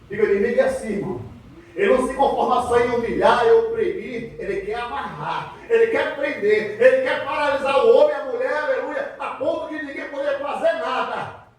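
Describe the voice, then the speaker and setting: High-pitched Brazilian man preaching in echoey church. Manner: repetitive, emphatic phrasing punctuated with hallelujahs. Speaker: Pentecostal preacher. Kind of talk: fervent, exclamatory church sermon. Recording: very echoey hall, distant microphone.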